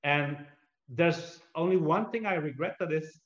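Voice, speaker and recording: Halting man with Dutch roots. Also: a little high. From Belgium. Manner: halting, frequent restarts, self-deprecating humor. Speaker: entrepreneur and author, interview guest. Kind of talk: conversational interview answer. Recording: roomy, slightly dull recording.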